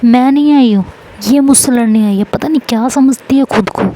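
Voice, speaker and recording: A woman's voice: fairly high pitch, a little fast, warm tone, a little hiss or hum, lightly acted. A woman playing Rabia, a scornful defiant schoolgirl. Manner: dismissive, threatening.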